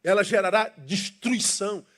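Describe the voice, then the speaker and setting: Brief: male pastor, high-pitched, emphatic sermon delivery full of rhetorical questions. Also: moderate pace, a bit bright. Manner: emphatic and rhetorical, asking questions and leading the congregation in reading. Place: church.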